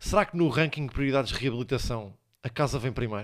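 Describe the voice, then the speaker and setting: Animated tone from a man at medium pitch, at a moderate pace with ordinary pitch variation, on a very clean recording with a silent background. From Portugal, Guarda. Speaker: podcast host and comedian. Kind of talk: casual solo chat.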